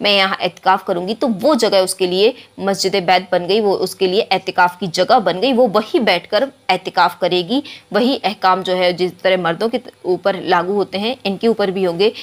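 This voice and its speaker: Here is a woman with an unremarkable speaking voice. Her pitch is medium, with ordinary pitch variation. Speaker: Islamic religious instructor. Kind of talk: religious lecture (bayan) to camera.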